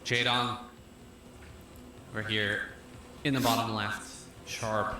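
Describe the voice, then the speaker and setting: A man's voice: lowish voice, slow, slight background noise. A man commentating a competitive match live, building hype and narrating the action. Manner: energetic, hyping up the match. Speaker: esports commentator. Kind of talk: play-by-play commentary. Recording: very roomy broadcast audio with music.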